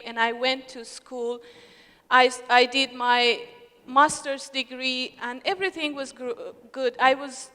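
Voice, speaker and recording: A young woman from Afghanistan giving an earnest, emotional speech at a ceremony, often halting and restarting her words. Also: high voice, fairly bright tone, smooth. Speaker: scholarship recipient speaker. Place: hotel ballroom. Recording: long reverb of a large hall.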